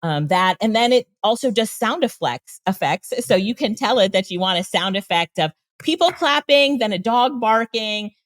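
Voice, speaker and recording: A woman's voice: medium pitch, expressive, moderate pace, hardly any pauses, no room sound. A woman guest on an interview show, explaining tools with enthusiasm and frequent laughs. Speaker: guest, AI trainer and consultant. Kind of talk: casual interview talk.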